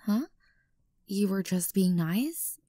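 A woman's voice: mid-range voice, animated, warm tone, dry recording, clean studio sound. A woman playing an obsessive, unstable young stalker girlfriend in an intimate ASMR roleplay, sweet and menacing by turns. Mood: lovestruck, coy. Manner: breathy whispers, halting, swinging from coaxing to outbursts. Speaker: voice actor in audio roleplay.

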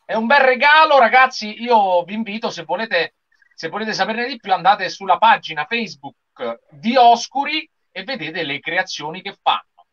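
A bright, forward male voice hosts a casual livestream. He presents in a chatty, enthusiastic way. The video-call audio is dull and lo-fi. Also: high voice, animated, normal speed. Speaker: live show host. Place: small indoor room with shelves of figurines.

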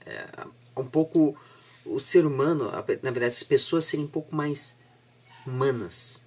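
A young Brazilian man speaks as an interviewer in a casual, reflective chat. His mid-pitched voice is husky and a little rough. He phrases things haltingly and earnestly, often restarting his thought. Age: young adult. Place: small home room indoors, seated on a sofa.

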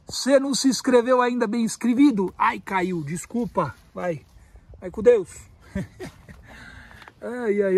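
A man with a fairly high voice and a Brazilian Portuguese accent talks in a loose, playful vlog manner, sometimes mangling words on purpose. He is outdoors in a garden by a pool, caught on a phone's own mic rather than a proper microphone. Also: husky. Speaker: carnivorous plant grower and channel host. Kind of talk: casual vlog chat. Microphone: phone built-in mic, no external mic.

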